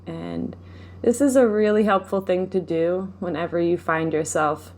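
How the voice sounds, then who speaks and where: A woman leading a guided meditation, speaking gently and without hurry, giving instructions with pauses. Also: lowish voice. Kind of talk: guided meditation, live session.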